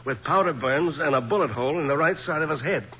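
Folksy high-voiced sheriff. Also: male voice, husky. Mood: matter-of-fact. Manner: folksy, drawn-out, colloquial. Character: genial small-town Texas sheriff, folksy man. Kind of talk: 1940s radio crime drama acting. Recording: muffled, hissy 1940s radio recording.

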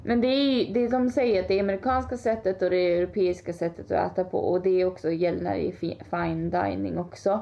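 A woman's voice: lowish voice, fairly even intonation, gravelly, hardly any pauses, dark tone. A woman in casual chat, giving her opinions in a down-to-earth way. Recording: dull lo-fi sound.

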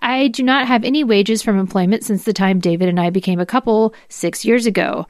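Female podcast host, formal read-aloud of legal paperwork with small asides, mid pitch, very dry recording. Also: brisk, a little mellow, no room sound. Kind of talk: dramatic reading of legal documents.

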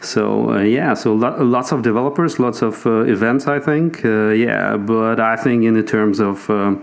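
A man with a Russian accent talks as a podcast guest, his voice sitting a little low. He pauses often and restarts his sentences, filling the gaps with small hesitations. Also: gravelly. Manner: hesitant, many fillers and restarts. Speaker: guest, tech company CEO. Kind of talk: casual interview talk.

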